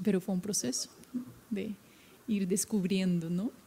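Speaking with a Brazilian accent, a woman talks at a fairly slow pace with a medium pitch and fairly even intonation. Noticeable background noise can be heard. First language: Portuguese (speaking Spanish). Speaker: consecrated religious woman, youth minister. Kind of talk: testimony.

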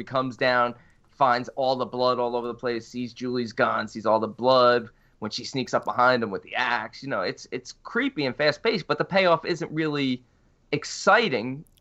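An ordinary speaking voice comes from a man at a medium pitch. He moves at a moderate pace with ordinary pitch variation. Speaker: co-host. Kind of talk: casual banter, reading a film synopsis aloud.

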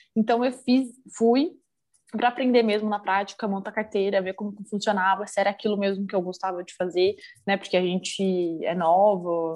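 This woman has a medium pitch and speaks with an inland São Paulo accent. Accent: Brazilian inland São Paulo. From Mato Grosso do Sul, raised in interior São Paulo. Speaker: economist, investor relations professional. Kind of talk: podcast interview. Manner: animated.

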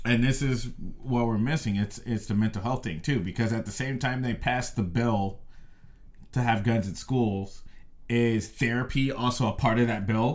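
In an American accent, a man talks at a moderate pace with medium pitch and fairly even intonation. His is an unremarkable speaking voice. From US South, Mobile, Alabama. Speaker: stand-up comedian. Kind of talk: stand-up style bit riffing on race and viral videos. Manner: wry, punchline-driven delivery with comic pauses.

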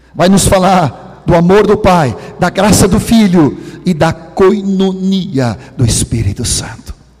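A man speaks at a very slow pace in a high voice with ordinary pitch variation. Noticeable background noise runs behind him. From Sweden. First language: Swedish (speaking Portuguese). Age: 60s. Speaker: pastor. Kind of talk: sermon.

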